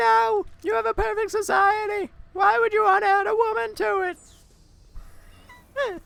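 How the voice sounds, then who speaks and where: An extremely high-pitched, put-on character voice moves at a moderate pace. Long pauses break it up often. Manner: silly, exaggerated.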